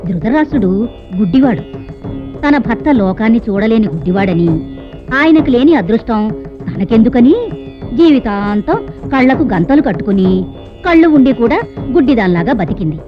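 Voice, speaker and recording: A blunt old grandmother who scolds and explains. The high voice sits under clear film music on a dull soundtrack. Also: sing-song, moderate pace, long pauses. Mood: patient. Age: older.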